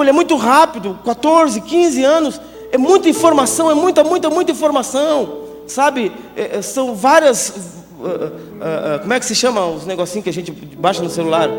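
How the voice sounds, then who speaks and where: A man preaching at a youth congress, chatty and joking, often tossing in tag questions, on a handheld mic. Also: very high-pitched. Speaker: pastor. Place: church congress hall. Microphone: handheld microphone. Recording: reverberant hall with background music.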